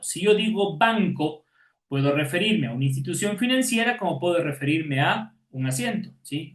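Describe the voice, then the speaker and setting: A man's voice: on the high side, echoey room. A man teaching an online class, patiently explaining and checking in with his students after every point.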